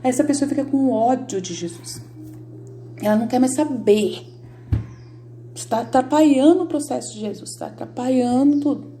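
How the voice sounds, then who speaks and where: A woman with a Brazilian Portuguese accent gives a devotional talk in a warm, mellow voice that sits a little high. She speaks directly and insistently to her listeners and drives her points home by repeating them. A faint hum runs underneath. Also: normal speed, pauses often. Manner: emphatic and repetitive, addresses viewers directly. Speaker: Catholic lay teacher. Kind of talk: informal devotional teaching.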